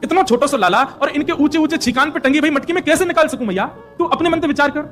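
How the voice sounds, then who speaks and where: A man's voice: extremely high pitch, fast talker, a bit bright, faint music behind, pitched above the performer's own voice. A man doing little boy Krishna, whining and pleading. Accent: Braj. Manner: whining, sobbing, wheedling. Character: child Krishna, small boy, sulking and pleading. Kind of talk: devotional storytelling.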